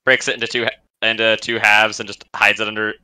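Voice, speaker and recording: A man's voice: on the low side, little pitch movement, moderate pace, pushed and bright, poor audio. A man playing a tabletop game, describing his character with jokes and lots of fillers. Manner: jokey, filler-heavy descriptions. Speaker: player. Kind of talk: casual tabletop play over voice chat.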